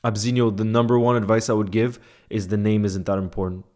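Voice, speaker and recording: Hosting a football fan livestream, a man with a fairly low, slightly mellow voice talks in a flat, brisk way. He reads viewer comments and replies to them directly and casually, often repeating a phrase to drive it home.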